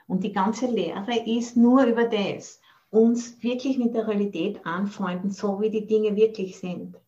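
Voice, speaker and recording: A woman's voice: medium pitch, steady tone, unhurried, mellow. Austrian woman giving a reflective dharma talk. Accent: Austrian German. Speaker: meditation teacher. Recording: dull lo-fi sound.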